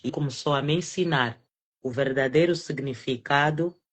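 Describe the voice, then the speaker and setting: A woman with a very deep, slightly rough voice speaks at a moderate pace. She is a guest giving an earnest, emotional faith testimony, addressing the apostle directly and repeating phrases for emphasis.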